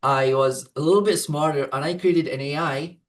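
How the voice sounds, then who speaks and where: A man's voice: on the high side, moderate pace, far from the mic. Hesitant Arabic-speaking man. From Saudi Arabia. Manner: hesitant, many fillers and restarts. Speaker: program client, English teacher. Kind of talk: interview answers.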